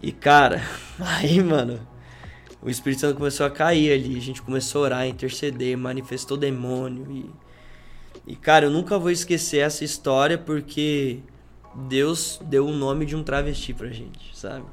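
A man, a podcast guest, telling a story in a casual, animated way, full of slang fillers and acted-out dialogue. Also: medium pitch, moderate pace, soft background music. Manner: slangy, peppers speech with "cara" and "mano"; acts out quoted dialogue in changing voices.

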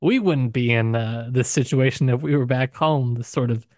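In a casual book discussion, a podcast co-host speaks at medium pitch and normal speed, his voice a little mellow. He's thoughtful and keeps qualifying what he says, and the studio-quality audio has no echo.

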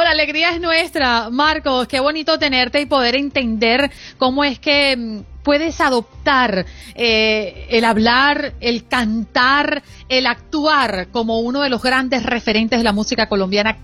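A woman's voice: a little high, a little slow, sharp tone, faint music behind. A woman hosting a morning show, bantering playfully with her co-host and guest.

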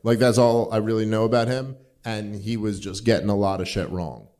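A man's voice: lowish voice, fairly even intonation, fairly quick, darkish tone. Rambling, profane man around forty. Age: 40s. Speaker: podcast host answering audience questions. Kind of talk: casual live Q&A talk.

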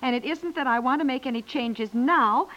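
An actress playing a fussy, indecisive housewife in a 1950s radio comedy, hesitant and apologetic, often trailing off. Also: female voice, high-pitched, moderate pace, fairly bright tone. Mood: fretful, hesitant. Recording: muffled 1950s radio broadcast.

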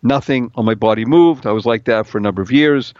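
A man's voice: mid-range voice, fast, a little mellow, no echo, dull audio. A middle-aged man hosting a talk radio show, playful and upbeat, spelling out words letter by letter and singing little bits.

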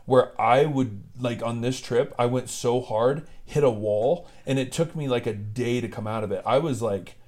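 A man's voice: mid-range voice, moderate pace, hardly any pauses, darkish tone. A man co-hosting a podcast in a candid, self-reflective, casual chat style. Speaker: podcast co-host.

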